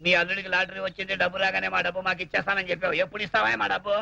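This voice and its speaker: An actor playing an impatient moneylender who demands his money back in rapid, gravelly bursts. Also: sits high, little pitch movement, bright, forceful tone, no room sound, heavily acted. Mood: demanding. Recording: dry, slightly dull film audio.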